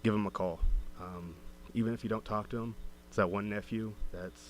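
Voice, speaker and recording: A man's voice: lowish voice, steady tone, brisk, slight background noise. A man, a local resident, making casual, rambling remarks at a city council meeting.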